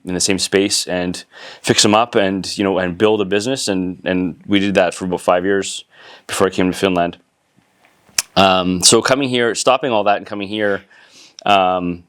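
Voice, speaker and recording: Deep-voiced Canadian man, relaxed interview guest. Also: clean tone. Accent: Canadian English. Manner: relaxed, thoughtful, many fillers and restarts. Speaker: guest entrepreneur. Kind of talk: casual interview conversation.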